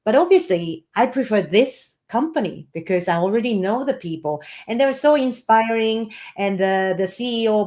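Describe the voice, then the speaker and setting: Interview guest, woman, native Japanese speaker, relaxed chatty delivery. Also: mid-range voice. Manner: chatty, many "you know" fillers, laughs often. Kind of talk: casual interview conversation.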